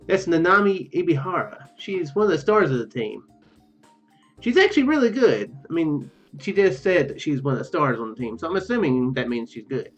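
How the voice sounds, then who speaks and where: A man with a slightly high, very lively voice gives casual let's play commentary. He reads game text aloud in a halting, rambling way, doubling back to correct himself. The sound is muffled, with game music playing behind him. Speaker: let's play video host.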